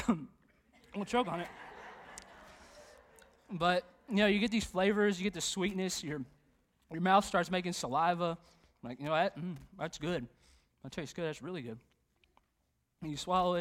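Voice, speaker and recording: A youth pastor preaches in a church. He talks in an animated, conversational way, full of fillers and jokes. His voice sits slightly higher than most men's. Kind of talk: sermon. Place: church sanctuary.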